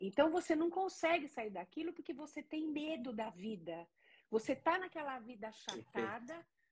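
Her pitch is high and swings very widely. The woman's loudness also rises and falls a great deal. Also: moderate pace. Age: 60s. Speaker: psychologist and author. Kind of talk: live-streamed interview. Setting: Instagram live stream.

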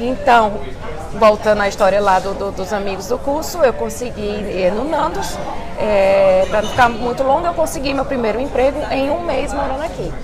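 A woman's high-pitched voice with lively intonation, audible room echo and crowd noise in the background. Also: moderate pace. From Brazil, Fortaleza, Ceará. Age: 40s. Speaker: account manager. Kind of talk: interview conversation. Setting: café.

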